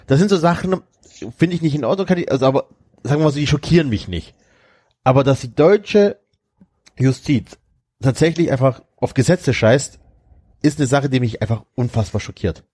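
A man's voice: medium pitch, lively intonation, moderate pace, a little mellow, husky, dry recording, studio quality. A man hosting a casual podcast chat, talking colloquially and with indignation. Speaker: podcast host.

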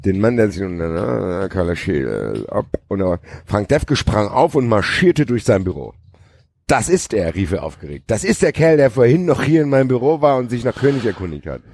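A man's voice: medium pitch, big pitch swings, brisk, darkish tone, dry recording, clean studio sound. A man reading a crime novel aloud on a podcast, stumbling over words and laughing at the text. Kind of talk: casual reading with jokey asides.

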